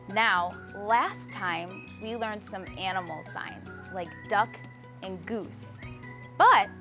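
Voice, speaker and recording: A woman teaching children sign language, cheerful and encouraging as she gives step-by-step instructions. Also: mid-range voice. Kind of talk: children's lesson. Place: public access TV studio.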